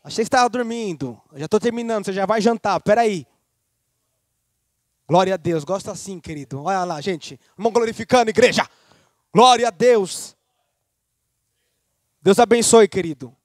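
A man preaching a lively sermon, speaking straight to his congregation. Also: sits high, moderate pace, long pauses, no room sound, studio quality.

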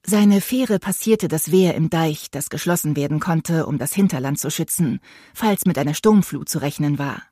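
Low, husky woman narrating an audiobook. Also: moderate pace, dark tone, no room sound, studio quality.

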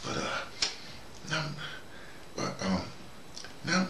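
With a fairly high, creaky voice, big pitch swings and drawn-out words, an older man from the United States rambles through a folksy sermon-like monologue, repeating phrases to stress them. He's a vlogger and audio dramatist, captured on a distant mic in a roomy space with faint background noise.

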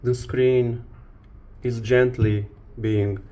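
Very slow-paced man giving repair instructions. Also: mid-range voice, little pitch movement, warm tone. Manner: halting short phrases, step-by-step. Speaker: phone repair tutorial presenter. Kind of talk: hands-on instructional demonstration.

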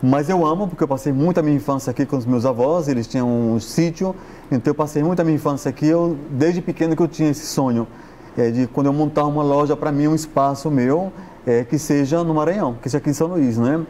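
A man's voice: a little high, fast talker, mellow, slight background noise. Chatty man on a TV studio sofa. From Brazil. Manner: chatty, gesturing, frequent tag questions. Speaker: guest fashion stylist. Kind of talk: casual interview chat. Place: TV studio set, seated on sofa. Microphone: lapel.

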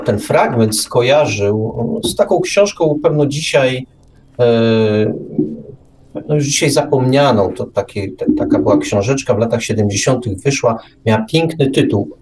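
A male radio host in a casual, reflective literary discussion, often halting and repeating himself. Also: mid-range voice, a little mellow, a little hiss or hum.

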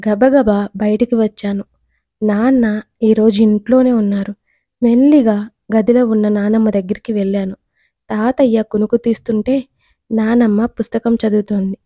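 A young woman narrating a first-person audio story in an expressive, dramatic way. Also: medium pitch, moderate pace, no room sound.

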